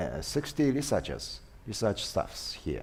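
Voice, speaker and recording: Speaking with a Japanese accent, a man talks at a fairly slow pace. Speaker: museum researcher, professor. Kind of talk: lecture. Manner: halting.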